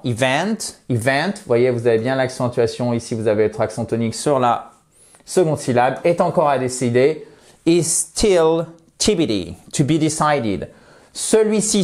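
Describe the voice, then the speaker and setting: Guy giving an english lesson, stretches out example phrases, upbeat. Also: on the high side. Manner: lively, drawn-out slow drills of English phrases. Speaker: English teacher. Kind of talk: online language lesson.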